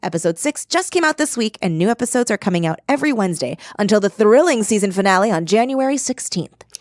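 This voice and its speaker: Animated woman podcast host, upbeat promo read. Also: medium pitch, fast, no room sound, clean studio sound.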